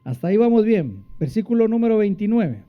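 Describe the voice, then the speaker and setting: A man's voice: sing-song, fairly quick. A man preaching a sermon, asking the congregation questions and answering them, acting out quotes with big swings in his voice. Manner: dramatic, acts out quotes with big pitch swings. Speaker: pastor. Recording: dull lo-fi sound.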